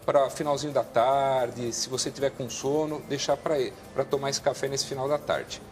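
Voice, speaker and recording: Calm explaining doctor, a man. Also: mid-range voice, moderate pace, a little hiss or hum. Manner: calm, explanatory, with frequent restarts. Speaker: guest doctor. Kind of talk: explaining health advice on a TV show.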